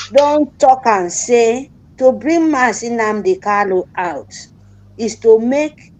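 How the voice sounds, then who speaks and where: High-voiced woman in Nigerian Pidgin. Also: a little mellow, rough recording. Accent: Nigerian Pidgin English. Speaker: caller. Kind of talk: call-in discussion.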